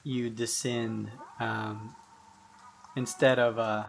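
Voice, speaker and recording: A man runs a tabletop game, narrating in hesitant, improvised phrases. His mid-pitched voice has plenty of fry, and there is faint noise behind him. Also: little pitch movement, extremely slow. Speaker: game master.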